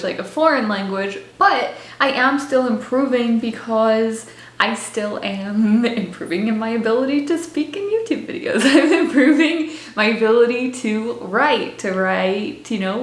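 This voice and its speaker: A woman's voice: on the high side, a bit bright, reverberant. A young woman vlogging in casual talk to camera, bubbly and chatty, with little laughs between her words and lots of "like" fillers. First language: English. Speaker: language-learning vlogger.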